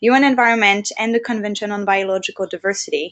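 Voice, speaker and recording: Someone with a French accent speaks at a fairly quick pace with ordinary pitch variation against a quiet background. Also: woman. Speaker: webinar facilitator. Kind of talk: webinar introduction. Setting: online webinar. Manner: formal. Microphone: video call.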